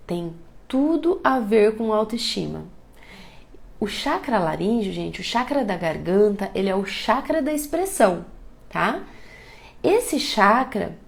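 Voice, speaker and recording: A woman with a cold and a rough, gravelly voice, teaching chakras in a live online talk and often checking in with her listeners. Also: medium pitch, darkish tone. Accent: Brazilian Portuguese. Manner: explanatory, repeats questions, tag "né?".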